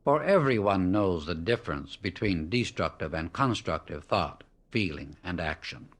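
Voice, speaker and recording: A man narrating a scripted spiritual discourse as an audiobook, solemn and measured, setting out short phrases with emphasis. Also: low voice, lively intonation. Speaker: audiobook reader.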